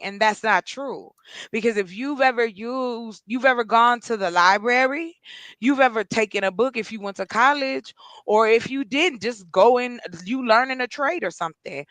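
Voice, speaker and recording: A woman hosting a casual chat, making her case in an animated, persuasive way. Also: fairly high pitch, normal speed, no room sound. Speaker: host.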